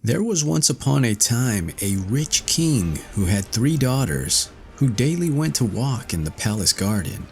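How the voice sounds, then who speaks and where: A man's voice: mid-range voice, sing-song, unhurried, few pauses, husky, faint music behind. A man reading a fairy tale as an audiobook narrator, in a scripted storytelling style.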